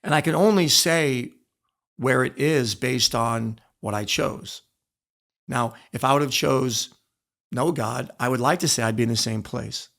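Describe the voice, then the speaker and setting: This middle-aged American man, a former wrestler and author appearing as a podcast guest, reflects on personal stories in an interview. His medium-pitched voice is unhurried, creaky, and fairly bright, and he speaks earnestly and emphatically, repeating phrases for weight.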